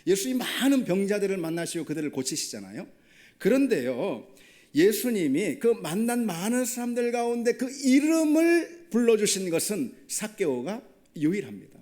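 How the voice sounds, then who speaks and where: A man's voice: on the high side, warm tone. A male pastor preaching a sermon, often asking the congregation questions and building toward emphatic points.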